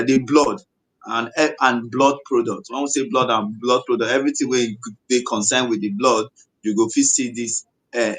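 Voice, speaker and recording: A man with a West African accent teaches about health in Pidgin English at a middle pitch. His delivery is halting, with repeated phrases and little tags to check the listener follows. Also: fairly bright tone, poor audio. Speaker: medical doctor and co-host.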